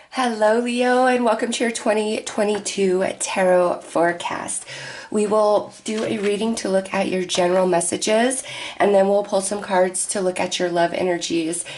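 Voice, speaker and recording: Moderately paced speech from a woman at medium pitch, with ordinary pitch variation amid noticeable background noise. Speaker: tarot reader. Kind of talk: tarot reading. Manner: casual, chatty.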